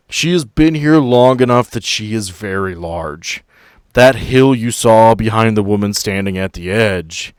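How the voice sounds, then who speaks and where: A man's voice: fairly low pitch, dry recording, clean studio sound. A man running a tabletop role-playing game, moving between dramatic scene-setting and casual asides as game master.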